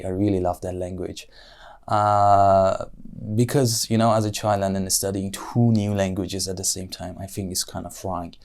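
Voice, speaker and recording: A man with a Persian accent and a notably low, deep voice, giving spoken-exam answers in English. He thinks aloud, fills gaps with "uh" and restarts his phrases, sounding careful rather than rushed. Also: a little mellow. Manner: thoughtful, with frequent "uh" and self-corrections. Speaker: IELTS speaking test candidate.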